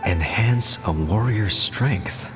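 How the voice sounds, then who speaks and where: An actor playing a loyal tribal chief in a game cutscene, speaking in a hearty, brotherly, familiar way. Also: male voice, fairly low pitch, slow pace. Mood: curious caution. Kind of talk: scripted game cutscene acting. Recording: long reverb, music underneath. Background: music.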